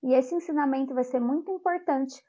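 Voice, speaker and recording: Lively high-voiced woman teacher. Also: highs cut off. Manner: lively and explanatory, stresses sounds slowly. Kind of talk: grammar lesson to camera.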